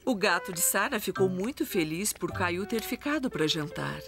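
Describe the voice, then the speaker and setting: A woman playing a warm storyteller, narrating a scripted children's cartoon with a Brazilian accent. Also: fairly low pitch, animated, normal speed. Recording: loud music behind the voice.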